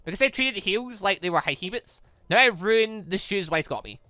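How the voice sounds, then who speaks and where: A man voicing an insecure, self-blaming teenage girl from a visual novel, halting and stammering. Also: high-pitched, expressive, pushed and bright, no echo, soft background music, voice pushed up. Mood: upset, self-blaming.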